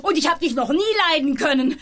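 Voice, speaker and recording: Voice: sits high, quick pace, fairly bright tone. An actor playing an angry, scolding married spouse in a children's audio drama. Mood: indignant. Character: angry, scolding married caretaker couple's quarrelling voice.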